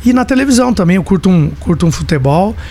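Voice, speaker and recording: A man's fairly quick speech with lively intonation, over noticeable background noise. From São Paulo state, Sorocaba. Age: 40s. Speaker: state legislator and federal police agent. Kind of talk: interview.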